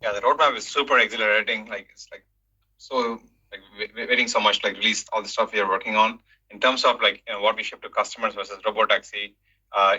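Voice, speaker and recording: Male tech lead, lowish pitch, rapid and choppy with repeated words, casual explanation, muffled conference-call sound. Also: sharp tone, slightly rough. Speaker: company engineering leader answering questions. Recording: dull lo-fi conference call audio.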